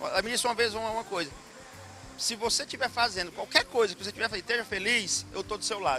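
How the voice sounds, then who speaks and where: Over music in the background, a man with a high pitch and a Ceará accent speaks in a raised, projected voice. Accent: Ceará accent, keeps it. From Ceará, Brazil. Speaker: actor and director. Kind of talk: interview chat.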